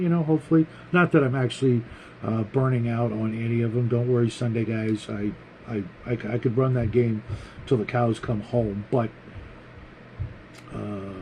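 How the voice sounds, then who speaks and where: A man hosting a casual, unscripted vlog about tabletop gaming, talking to viewers in a rambling, halting, conversational way. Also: mid-range voice, warm tone, slight background noise, low-quality recording. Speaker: host of a tabletop gaming vlog, game master.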